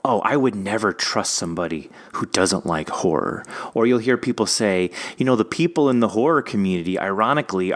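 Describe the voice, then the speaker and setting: A man hosting a podcast interview in casual conversation, rambling through questions and asides. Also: low voice. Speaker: podcast host.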